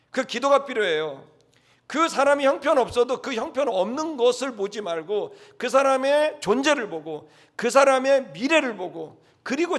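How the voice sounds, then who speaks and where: A man with a high-pitched voice preaches a Sunday sermon. He talks conversationally and slips into little acted-out exchanges to make his point. He sounds like a pastor speaking to his congregation. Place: church sanctuary.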